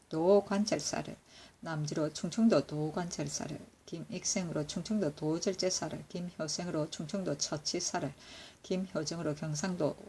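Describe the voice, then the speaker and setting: A woman reading historical court annals aloud in a steady, measured recitation, now and then correcting herself. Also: deep voice, a little hiss or hum. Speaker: reader of historical records.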